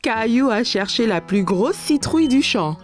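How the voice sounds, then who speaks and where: A woman narrating a children's cartoon as a kindly, expressive storyteller. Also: a little high, normal speed, faint music behind, lightly acted. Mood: storytelling. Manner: expressive, clearly paced storytelling. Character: kindly storyteller narrating a little boy's everyday adventures.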